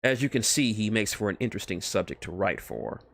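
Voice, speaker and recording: A man talking casually and reading a story on a livestream, informal and halting, often correcting himself. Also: lowish voice, big pitch swings, vocal fry, fairly bright tone, no echo. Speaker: streamer and fan fiction writer.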